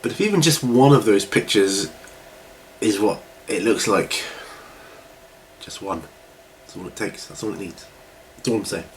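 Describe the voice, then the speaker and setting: In a lowish, expressive voice at a moderate pace, a middle-aged hobby Q&A series host rambles casually to the camera. His voice is slightly stuffy from a cold he's recovering from, and he coughs. Clear noise runs through the home recording.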